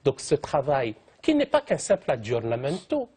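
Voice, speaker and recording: A man's voice: mid-range voice, huge pitch swings, normal speed, darkish tone, husky. A man speaking as a guest in a televised debate, eloquent and fond of long, elaborate phrasing. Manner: eloquent, elaborate vocabulary, piles up synonyms.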